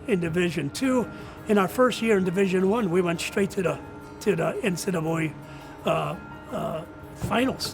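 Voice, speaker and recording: An older man with a high-pitched, gravelly voice answers interview questions as a coach. He is a non-native English speaker and talks earnestly, often repeating words as he goes, with faint music behind him. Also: poor audio. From outside the United States. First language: not English. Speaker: college soccer coach.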